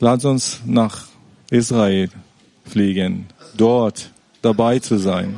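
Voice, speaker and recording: A man at a medium pitch with a dark, mellow tone and ordinary pitch variation, at a very slow pace with long, frequent pauses. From Iran. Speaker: congress participant. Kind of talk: personal testimony.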